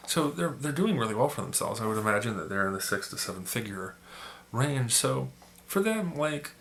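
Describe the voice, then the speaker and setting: Sick man with a gravelly raspy voice. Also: medium pitch, big pitch swings, moderate pace, fairly bright tone, slight background noise. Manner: rambling, with many restarts and fillers. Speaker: photography YouTuber. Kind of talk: casual opinion vlog.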